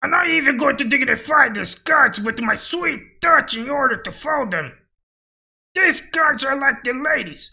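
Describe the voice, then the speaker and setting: A man's voice: extremely high pitch, expressive, a little slow, gravelly, pushed and bright, exaggerated voice. A man voicing a cocky, boastful masked male wrestler in a brash put-on voice for a fan voice demo. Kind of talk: fan voice demo of game quotes.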